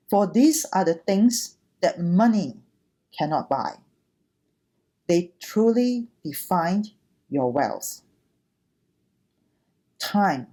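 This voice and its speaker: Buddhist nun giving a talk, relaxed mellow voice, takes her time between short phrases. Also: fairly low pitch. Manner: deliberate, short phrases with pauses, earnest. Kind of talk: sermon, gentle teaching talk.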